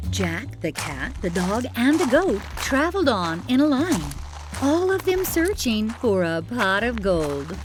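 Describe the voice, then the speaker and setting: A woman's voice: on the high side, big pitch swings, a little slow. A woman hosting a children's storytime, narrating expressively with playful, chatty asides to young listeners. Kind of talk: expressive fairy-tale narration. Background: music.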